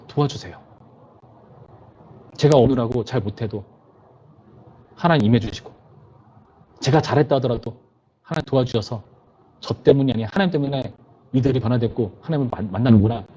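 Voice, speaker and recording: A man's voice: medium pitch, dark tone, slightly rough, muffled recording. A male pastor preaching to a youth service in a conversational way, often putting questions to his listeners.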